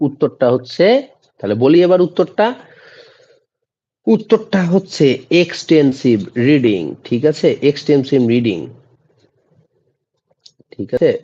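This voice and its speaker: A male teacher from West Bengal running a live online exam-prep class, reading quiz questions slowly and teasing students by name. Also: fairly high pitch, expressive, warm tone, husky, muffled recording. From West Bengal, India. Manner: reads English quiz questions slowly, then quizzes quickly in Bengali.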